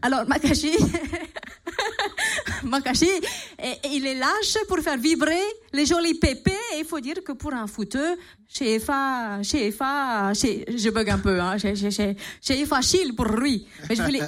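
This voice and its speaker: A woman's voice: on the high side, lightly acted. A woman playing a chatty, fussy cleaning lady with a put-on Spanish accent on a radio comedy show. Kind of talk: comedy sketch. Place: radio studio.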